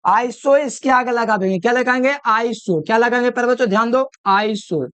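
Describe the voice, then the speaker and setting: A man's voice: very high-pitched, a little fast, a bit bright, clean tone, dry recording. A man giving a chemistry video lecture, repeating each point and quizzing the listener with call-and-answer questions. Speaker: chemistry teacher. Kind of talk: classroom-style video lecture.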